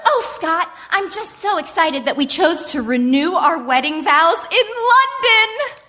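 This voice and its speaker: A woman playing an excitable, gushing wife in a comic radio play, with theatrical delivery. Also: very high-pitched, a little slow, exaggerated voice. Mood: excited, gushing. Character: excited, gushing wife off to renew wedding vows. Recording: reverberant live theater stage, faint noise.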